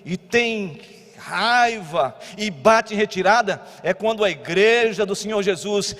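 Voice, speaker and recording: A Brazilian pastor preaching a sermon, moving between quiet teaching and loud exhortation. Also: male voice, high voice, measured pace. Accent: Brazilian Portuguese. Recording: long church hall reverb.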